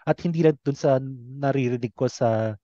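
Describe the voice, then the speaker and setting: A man with a Filipino accent hosting a casual interview, earnest and a little halting as he forms his thoughts. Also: mid-range voice, mellow, no room sound, highs cut off. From Philippines. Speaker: interview host. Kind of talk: casual conversational interview, mixing two languages.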